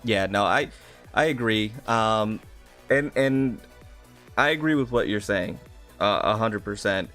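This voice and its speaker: A man's voice: fairly low pitch, unhurried, a bit bright, faint music behind. A man hosting a casual livestream discussion, speaking steadily and agreeably, asking his guest questions. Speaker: livestream host.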